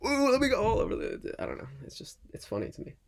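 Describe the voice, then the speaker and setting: A man talking casually to his audience in a reflective, halting monologue, often checking in with a questioning tag. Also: very high-pitched, huge pitch swings, creaky. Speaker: vlog host.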